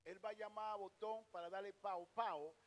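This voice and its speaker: A man's voice: high-pitched, fairly even intonation, normal speed. A man preaching a sermon. He fires questions at the congregation, answers them himself, repeats his points and tells a reader when to read the next verse. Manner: directs a scripture reader between points; repeats and restarts phrases, hammering each point.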